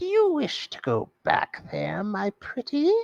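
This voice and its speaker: A cackling, put-on character voice, female-sounding and high-pitched, at a fairly slow pace. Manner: cackling, sinister.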